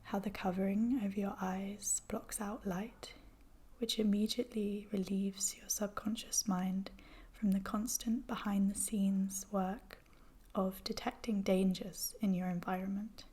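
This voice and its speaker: Female meditation guide: hushed, mellow delivery, very even pitch, gentle and soothing, breathy texture. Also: a little slow. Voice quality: soft, breathy, whispery. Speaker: yoga nidra guide.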